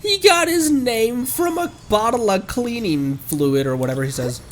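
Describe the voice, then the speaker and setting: A young man streaming a game in casual chat, congested and stuffed up, rambling with many ums and breaking into sudden excited outbursts. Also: extremely high pitch, moderate pace, slight background noise.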